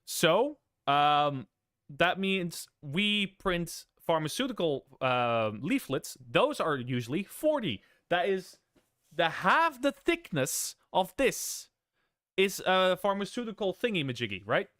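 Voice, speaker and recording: A young man with a fairly high, smooth voice, chatting on a livestream. He rambles, restarts, and keeps breaking off mid-story to thank viewers. The sound is dry and close. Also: very animated, slow pace, a bit bright, dry recording. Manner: rambling, self-interrupting, thanks viewers between story bits. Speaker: streamer. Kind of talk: casual livestream chat.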